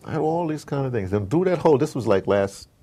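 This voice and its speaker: This American audio drama producer, a guest on a relaxed interview, speaks at medium pitch, quickly and with animation, in a mellow voice over a faint hiss or hum. He rambles through opinionated stories, wandering off on tangents and performing dialogue.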